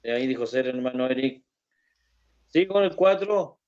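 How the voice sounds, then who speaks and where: A man's voice: mid-range voice, expressive, darkish tone, dull audio. Man reading scripture in Bible class. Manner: halting, reads verses slowly. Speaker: Bible study participant reading aloud.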